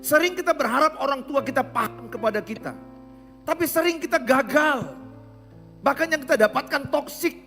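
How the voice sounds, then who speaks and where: A man with a Medan Indonesian accent, a pastor giving a lively, conversational sermon and coaching volunteers in front of the congregation. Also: very high voice, moderate pace. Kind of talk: interactive sermon. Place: large church hall. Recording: echoey hall with guitar music.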